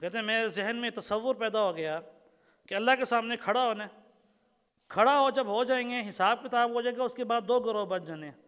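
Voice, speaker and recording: A man's voice: very high voice, fairly bright tone, clean tone, long reverb tail. A man giving a religious lecture, telling stories, repeating phrases, reciting verses in Arabic and putting questions to the audience. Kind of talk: Urdu sermon lecture.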